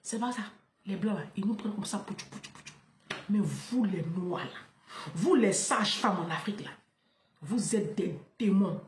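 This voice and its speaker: A woman's voice: medium pitch, moderate pace, darkish tone, echoey room, a little hiss or hum. A woman, delivering a fiery, scolding monologue to camera. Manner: fiery, scolding, repeats "là" and "hein". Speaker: online commentator.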